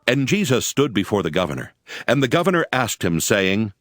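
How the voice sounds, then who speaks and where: A man's voice: fairly low pitch, big pitch swings, a little fast, a bit bright. A man narrating scripture as a dramatized reading.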